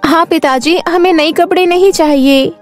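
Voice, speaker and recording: An earnest schoolgirl elder sister acted by a woman in a cartoon tale, polite and plaintive. The voice is very high, over soft music. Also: normal speed. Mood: consoling. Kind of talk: cartoon story character acting.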